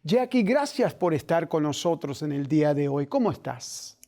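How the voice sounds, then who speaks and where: A man hosting a Christian TV talk show, asking questions slowly and gently, with some hesitation. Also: fairly high pitch, sing-song. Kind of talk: Christian TV interview.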